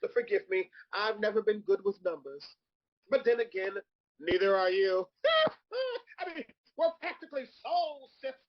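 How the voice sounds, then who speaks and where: A man's voice: high voice, big pitch swings, moderate pace. A man playing a flamboyant, gossipy gay drag queen in a comedic table read, with a campy, theatrical, teasing delivery. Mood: playful, gleeful. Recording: dull lo-fi audio.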